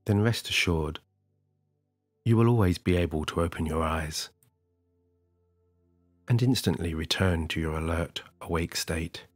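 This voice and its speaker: In a slow, soothing, hypnotic rhythm, a man with a very low, husky voice guides the listener toward sleep. The recording is close and dry, and a soft music bed plays quietly underneath.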